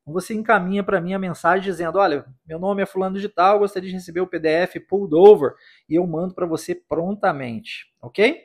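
A man's voice: high voice, brisk. A man from Brazil whose first language is Portuguese, teaching English in a podcast lesson and patiently modeling phrases for listeners to repeat.

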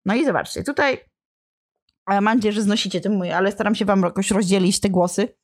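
A woman's voice: mid-range voice, fairly quick, no room sound, clean studio sound. A woman in a casual lesson, explaining and reading scenes from a drama, with small slips and restarts. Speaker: literature teacher.

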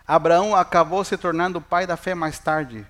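A man's voice: a little high, fairly even intonation, normal speed, a bit bright. A middle-aged man preaching in Portuguese, a pastor who jokes with the congregation and asks them questions. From Chile. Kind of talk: sermon.

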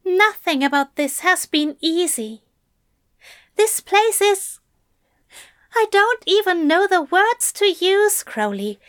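A woman's voice: extremely high pitch, expressive, takes it slowly, a bit bright, pitched above the performer's own voice, exaggerated voice. A woman voicing an anxious, earnest male angel who pours out fretful confessions in a raised voice.

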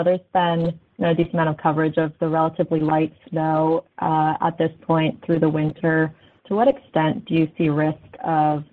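Low, flat-toned woman over a phone. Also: vocal fry. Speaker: financial analyst asking questions. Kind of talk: unscripted question on an earnings call. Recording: thin narrow phone line.

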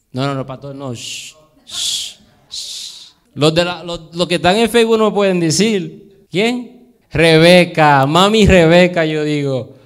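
A man preaching a sermon, lively, quizzing his congregation and dropping in English phrases. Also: sits high, clear, resonant tone. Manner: lively, asks the congregation questions.

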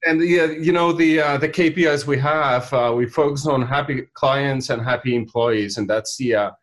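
A middle-aged man from Finland with a Finnish accent, a company founder talking casually as an interview guest, pausing often with many fillers. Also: medium pitch. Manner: halting, many fillers and restarts.

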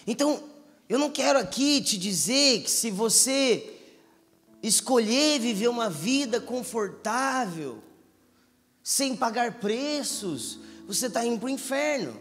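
A man's voice: extremely high pitch, slow pace. A man preaching a sermon to a live church crowd, acting out the dialogue and teasing the audience. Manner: animated, acts out dialogue, teases the crowd. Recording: echoey hall, light music underneath.

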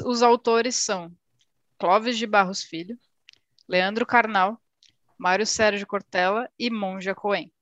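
A woman's voice: fairly high pitch, a bit bright, dry recording. A woman co-hosting a casual podcast chat, thoughtfully recommending a book set with frequent restarts. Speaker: podcast co-host.

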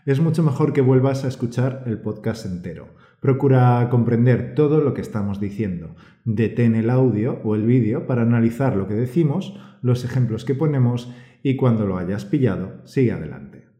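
A man co-hosting a scripted teaching podcast. He explains calmly and encourages the listener. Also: mid-range voice, moderate pace. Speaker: podcast co-host and Spanish teacher. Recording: roomy echo.

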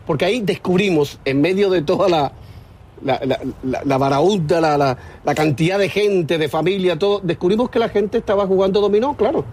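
A man's voice: sits high, fairly quick, darkish tone, husky. A man hosting a casual studio interview, chatty and joking, with frequent restarts. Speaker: TV host.

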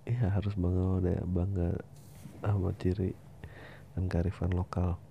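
A man's voice: level tone, a little slow, gravelly. A man hosting a podcast, reading listener emails aloud with informal, slangy asides and casual swearing. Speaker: podcast host. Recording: dull lo-fi audio with faint rumbling noise.

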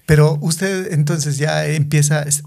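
Slightly high-voiced male podcast host. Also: steady tone, unhurried, gravelly, a little mellow. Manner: short affirming interjections. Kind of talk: interview questions.

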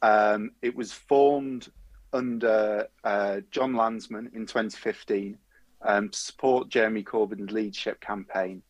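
A man's voice: lowish voice, steady tone, measured pace, dry recording, highs cut off. A man with a Durham accent talking conversationally as a guest activist on a panel. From Durham, North East England.

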